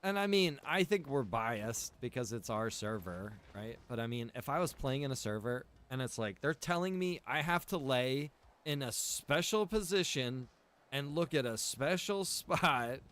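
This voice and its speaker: A man's voice: medium pitch, lively intonation, measured pace, fairly bright tone. A man giving casual, rambling livestream commentary while gaming, repeating phrases for emphasis. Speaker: game streamer and roleplay server co-owner.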